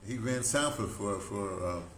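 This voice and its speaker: Man in his seventies, low-pitched, informal storyteller, digressive, halting, emphatic, roomy echoing recording. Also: a bit bright. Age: 70s. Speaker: audio dramatist recounting theater history. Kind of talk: informal rambling storytelling to camera. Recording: roomy echo, background noise.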